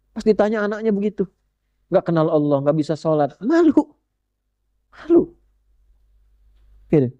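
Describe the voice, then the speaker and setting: High-voiced lively man preaching. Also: no echo, highs cut off. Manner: lively storytelling, swings between high and low pitch, asks the audience questions. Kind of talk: sermon.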